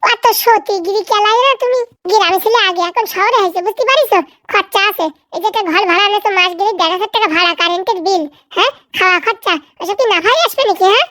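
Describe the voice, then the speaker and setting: Shrill, high-pitched nagging cartoon housewife. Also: bright, forceful tone, no echo, clean studio sound. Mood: scolding, sarcastic. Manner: scolding, sarcastic, rapid-fire complaining. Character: nagging, sharp-tongued village housewife, bossy and scornful. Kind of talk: comedy cartoon dialogue.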